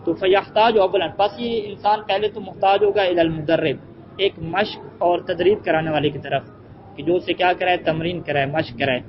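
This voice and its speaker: A man teaching a class in a high voice, posing questions and answering them himself as he goes through an Arabic text. The recording is dull and muffled, with steady noise behind him. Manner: asks rhetorical questions and answers them, reads Arabic phrases slowly. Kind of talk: classroom lecture explaining an Arabic logic text. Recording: muffled with heavy background noise.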